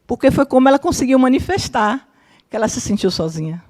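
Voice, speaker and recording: A woman around fifty gives a spiritist lesson in front of a live audience and draws on her own family stories. Her voice sits a little high and swings widely as she checks in with her listeners and acts out what her relatives said. She speaks like a psychologist who teaches. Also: fairly quick. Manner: lively, keeps checking in with listeners, acts out quoted family members. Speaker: spiritist course lecturer and psychologist. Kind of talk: lecture with personal stories. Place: lecture room with a live audience.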